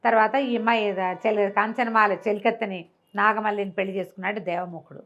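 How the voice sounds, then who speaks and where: A woman's voice: medium pitch, steady tone, fairly quick, fairly bright tone, highs cut off. A woman with a Telugu accent telling a folk tale conversationally, explaining as she goes and acting out dialogue in her own voice. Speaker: storyteller.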